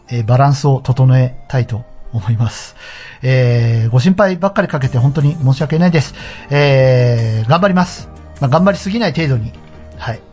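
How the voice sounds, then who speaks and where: A man with a mid-pitched voice hosts his own show over background music. He talks casually but politely to his listeners, in the manner of a solo radio presenter. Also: darkish tone.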